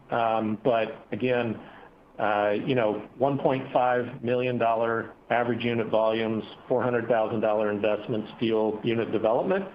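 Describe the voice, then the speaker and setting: A man speaking as a company executive, answering analysts on an earnings call in measured corporate phrasing with hesitant pauses. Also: mid-range voice. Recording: dull, noisy conference call audio.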